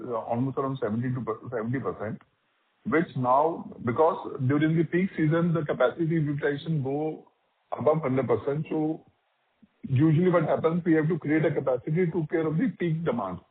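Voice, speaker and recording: A company executive with an Indian accent explains business matters on a call. His medium-pitched voice is slightly rough, and the narrow phone line gives it a radio-like quality.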